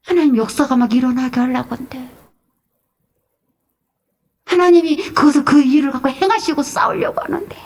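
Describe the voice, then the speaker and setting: A middle-aged woman pastor preaching an animated sermon, moving between loud exclamations and hushed, whispered asides. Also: sits high, normal speed, long pauses.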